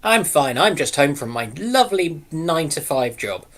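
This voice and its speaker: A man's voice: a little high, big pitch swings, moderate pace, a bit bright. A man joining a live chat late, joking in a dry, wry way. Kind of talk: casual chat.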